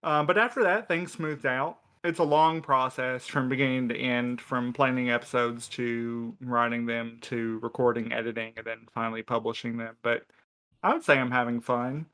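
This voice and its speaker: A man with a bright, crisp and clean voice talks casually as one of a podcast crew. His delivery is dry and a little wry. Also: medium pitch, fairly even intonation, moderate pace. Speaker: podcast cast member, writer and editor. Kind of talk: casual panel chat.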